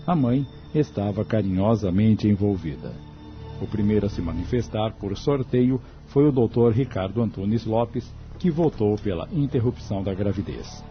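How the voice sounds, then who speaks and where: A man with a low voice delivers scripted audiobook narration. The recording is a little dull and lo-fi, with music clearly playing behind him.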